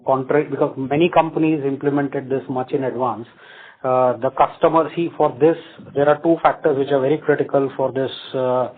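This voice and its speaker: A man with an Indian accent, an executive speaking on an earnings call in a halting, repetitive way with many fillers. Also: mid-range voice. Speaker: company executive. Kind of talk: earnings call remarks and answers. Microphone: phone or conference line. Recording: tinny phone conference line.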